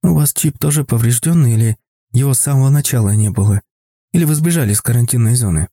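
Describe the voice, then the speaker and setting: A man reads an earnest young mother who asks one question after another, with his voice lifted only slightly. The tone stays dark and mellow in a dry, close recording. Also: mid-range voice, fast talker, slightly rough, no room sound. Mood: curious.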